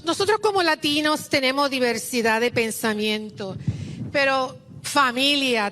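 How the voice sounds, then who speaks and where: At an outdoor political rally, a woman from Puerto Rico gives an impassioned, crowd-rousing speech in a Puerto Rican Spanish accent. Her voice sits high, bright and forceful, with a little hiss or hum in the recording.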